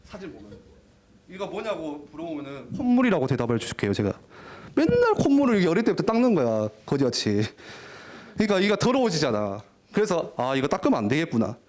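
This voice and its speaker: Animated young male youth preacher. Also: sits high, brisk. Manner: animated, jokey, acts out teen voices. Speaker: youth pastor. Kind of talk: lively youth sermon. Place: church worship hall.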